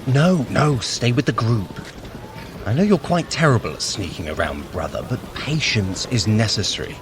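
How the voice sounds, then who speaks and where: A man's voice: medium pitch, expressive, moderate pace, noisy background, close to an everyday voice. An actor playing a sly, scheming male trickster god in an audio drama, wry and commanding. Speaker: Loki.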